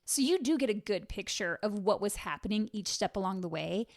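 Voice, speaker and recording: A woman's voice: medium pitch, a little fast. Chatty woman co-hosting a crime podcast. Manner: chatty, relaxed storytelling with fillers. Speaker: podcast co-host. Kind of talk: casual true crime podcast chat.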